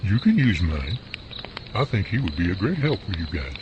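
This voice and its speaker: A man's voice: low-pitched, big pitch swings, moderate pace, dull audio, background noise. A man voicing a friendly, polite camper in a radio drama. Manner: polite, easygoing. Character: friendly helpful male camper. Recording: night crickets behind.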